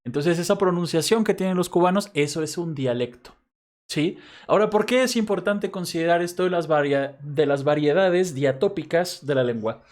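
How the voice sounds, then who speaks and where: A male university professor with a Mexico City accent giving a recorded class lecture, explaining patiently and often checking in with his students using quick tag questions. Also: a little high, darkish tone. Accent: Mexico City Spanish.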